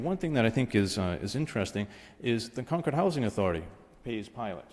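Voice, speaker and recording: A man's fairly low voice at a fairly quick pace. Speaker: presenter at town board meeting. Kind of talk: public presentation at municipal meeting. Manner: fast.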